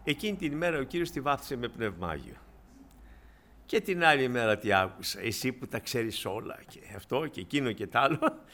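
A man preaching a sermon in a conversational, storytelling way, often addressing his congregation as brothers and dropping low and quiet for emphasis. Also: sing-song.

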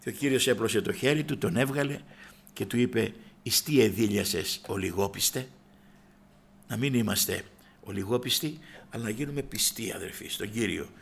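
Gravelly guy preaching a sermon, calls everyone brothers, gets loud on the quotes. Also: medium pitch. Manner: preaching, addresses listeners as brothers and sisters; rises loudly when quoting Christ.

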